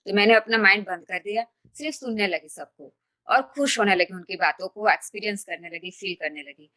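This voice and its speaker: A woman's voice: mid-range voice, brisk, sharp tone. A woman in a study group earnestly describing her fears about reading aloud to the group. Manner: earnest, nervous confessional telling. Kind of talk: casual group sharing.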